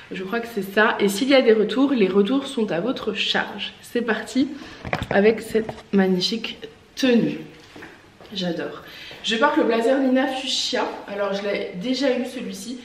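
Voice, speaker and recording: A woman's voice: a little high, reverberant. A woman who owns a clothing shop, chatting casually in a try-on vlog, her voice congested from a lingering cough, with many fillers and eager praise for outfits. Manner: chatty, filler-heavy, enthusiastic about outfits. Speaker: online clothing shop owner. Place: indoors, in front of a mirror.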